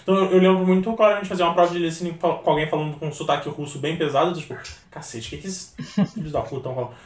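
A young Brazilian man co-hosting a podcast, rattling along at high speed in a slightly high voice. He rambles, restarts and swears freely in casual chat. He sits back from the mic in a room with a lot of echo. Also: steady tone, very fast, recorded from a distance. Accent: Brazilian Portuguese. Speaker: podcast co-host. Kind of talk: casual chat over a video call.

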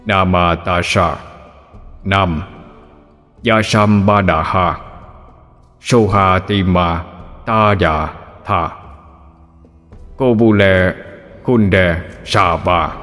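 A man voicing an evil ancient male forest demon king, with a layered, demonic double-voice effect and a slow, booming, drawn-out delivery. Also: fairly bright tone, faint music behind, exaggerated voice. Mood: chanting. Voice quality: echoing, booming through the forest. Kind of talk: storybook narration with character voices.

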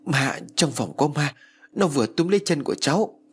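A man's voice: a little high, expressive, normal speed, slightly rough, pitched above the performer's own voice. A man voicing a frightened young girl who stammers in panic. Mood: terrified.

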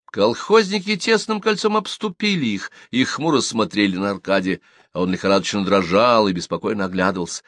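A man reads an audiobook with expressive storytelling. His lowish voice rises and falls a lot. The recording is dry and close, with no room sound. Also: fairly quick, no echo. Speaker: narrator. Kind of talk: audiobook reading.

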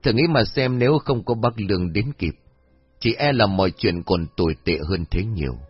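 A man's voice: lowish voice, moderate pace, husky, no room sound, soft background music. A man doing a stammering timid villager. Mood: consoling. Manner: stammering, nervous. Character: timid frightened middle-aged village man. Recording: dull lo-fi recording.

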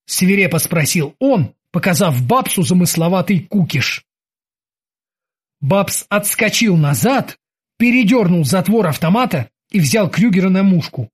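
Husky, animated male audiobook narrator. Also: high voice, a little slow.

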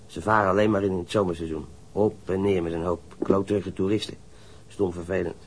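A man's voice: low voice, fairly even intonation, a little fast, poor audio. An actor playing a surly, defensive young male ship's stoker in a radio crime drama, coarse and sullen, stammering when riled. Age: young adult.

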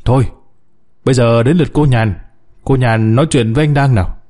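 A man voicing a kindly man in charge of a rescue in a story, brisk and directing. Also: medium pitch, steady tone, dark tone, close to an everyday voice. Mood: encouraging. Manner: urgent, directing.

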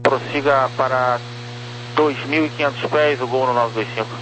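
A man's voice: medium pitch, fairly even intonation, moderate pace. Brazilian male air traffic controller on noisy radio. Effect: radio transmission. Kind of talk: air traffic radio instructions, clipped phraseology. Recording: noisy radio channel with hum.

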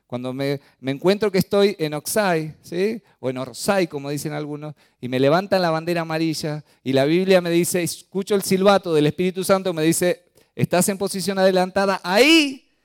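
Man, pastor preaching, expressive, acts out quotes, fairly high voice, dry close sound. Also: normal speed, hardly any pauses, clear, resonant tone, dry recording. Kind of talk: sermon.

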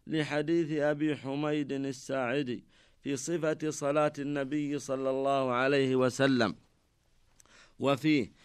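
A male scholar reads a radio lesson on Islamic law in a smooth, resonant voice. He delivers each text in a measured, formal way. The studio sound is close and dry, with no echo. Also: medium pitch. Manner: measured, formal recitation of texts. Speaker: Islamic scholar presenting a jurisprudence program. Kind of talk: reading a religious lesson on radio.

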